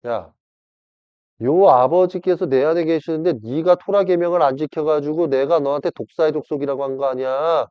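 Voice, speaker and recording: A man's voice: fairly high pitch, normal speed, clean tone, dry recording, natural voice. A man voicing a stern male Jesus figure who firmly rebukes someone. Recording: dull lo-fi dry recording.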